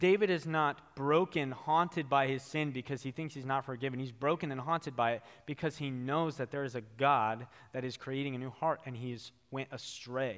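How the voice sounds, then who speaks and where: Here a man talks at a fairly high pitch with ordinary pitch variation. The recording is very clean, its background silent. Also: moderate pace. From California (Bakersfield). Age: 20s. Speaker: guest preacher, church worker. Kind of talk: sermon. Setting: church. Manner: hesitant, many fillers.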